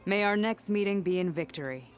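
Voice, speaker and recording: A woman's voice: mid-range voice, lively intonation, fairly quick, soft background music, lightly acted. An actress playing a confident, formal tribal woman soldier who leads a squad in a video game. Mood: assured. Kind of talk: video game cutscene acting.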